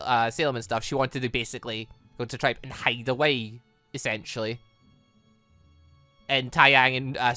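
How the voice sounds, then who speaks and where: Animated, bright-voiced man commentating on a game. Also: medium pitch, no room sound. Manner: chatty, rambling, self-correcting asides. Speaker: gaming channel host. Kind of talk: let's play commentary with read-aloud dialogue.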